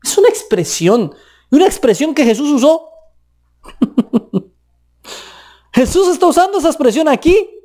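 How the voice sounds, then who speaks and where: A man with a Colombian accent preaching a sermon, emphatic, with pitch that rises and drops sharply for stress. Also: very animated, measured pace, long pauses, dark tone.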